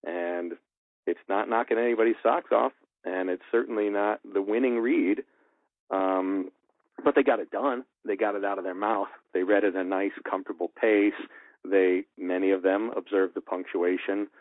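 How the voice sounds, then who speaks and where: A man with a lowish voice explains voice-acting choices from a radio producer's view, candid and loose, full of fillers. The sound is thin and phone-like, with a dry, close quality and no room around it. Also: fairly even intonation, normal speed, no room sound. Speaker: radio producer and audio engineer. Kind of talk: voice-acting advice talk. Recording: tinny phone-like line, dry.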